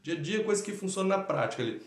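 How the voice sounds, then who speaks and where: A man's voice: high-pitched, lively intonation, rapid-fire. A Brazilian man hosting a live stream, explaining through everyday examples in a casual conversation about teaching children. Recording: echoey room with faint music.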